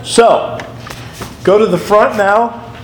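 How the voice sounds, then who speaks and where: A hoarse man leads an adult church class, explaining each point and calling on people by name. His voice sits a little high for a man. The room is echoey and there is a faint hiss. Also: steady tone, slow pace. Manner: explanatory, calls on readers by name. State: hoarse from laryngitis. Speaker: pastor teaching a class.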